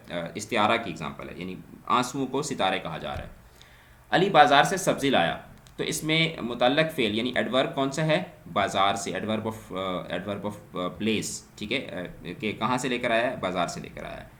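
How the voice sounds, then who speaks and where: Bright-voiced man teaching in an echoey room. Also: lowish voice, expressive, few pauses, a little hiss or hum. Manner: asks a question, then answers it, adding "theek hai?" and English terms. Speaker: Urdu teacher. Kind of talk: exam-prep grammar lesson.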